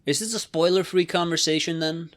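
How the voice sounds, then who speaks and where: A man with a slightly high voice explains his views on a podcast. He builds his argument in a measured way and sometimes picks up speed. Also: steady tone, fairly bright tone. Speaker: podcast co-host. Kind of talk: casual analytical chat.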